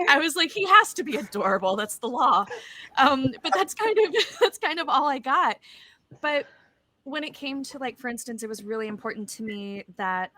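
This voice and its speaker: A woman's voice: mid-range voice, pushed and bright, no echo. A woman talking casually and chattily on a panel as a writer and voice actor.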